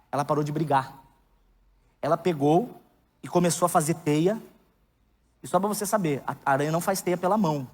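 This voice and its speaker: A male preacher with a Brazilian Portuguese accent tells stories with humor, moving between loud preaching and soft asides. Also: high-pitched. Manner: animated, humorous storytelling. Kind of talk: sermon. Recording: long reverb of a hall.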